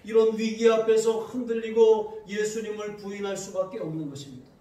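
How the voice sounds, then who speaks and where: High-voiced pastor in an echoey church. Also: male voice. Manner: reads scripture slowly, then turns to lively anecdotes with laughter. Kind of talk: sermon. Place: church sanctuary. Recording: very echoey church sanctuary heard from a distance.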